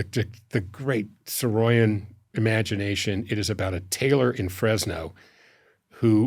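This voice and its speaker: A man with a fairly low voice answers as an interview guest. He talks reflectively and in a measured way, pausing as he lays out anecdotes. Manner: measured, anecdotal storytelling with pauses. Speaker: foundation president, interview guest.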